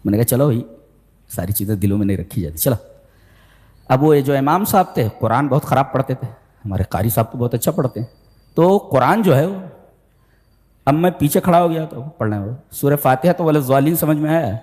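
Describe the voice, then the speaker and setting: A man preaching a sermon-style Quran commentary, emphatic, asking listeners rhetorical questions, swinging from loud stresses to low asides. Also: lively intonation. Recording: long hall reverb.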